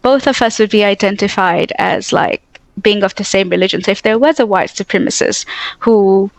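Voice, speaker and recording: A young woman from Tanzania with a mostly American accent tinged with Australian and English, telling stories in a talkative, animated way as a guest in a casual interview. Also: mid-range voice, normal speed, creaky, no room sound, low-quality recording. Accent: mostly American with Australian and English touches. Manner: talkative, animated storytelling with many "like" fillers.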